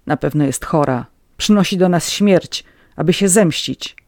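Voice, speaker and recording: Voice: medium pitch, a little slow, darkish tone, no room sound, clean studio sound, close to an everyday voice. A reader voicing a hostile accusing young man. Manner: accusing, contemptuous. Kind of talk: audiobook reading.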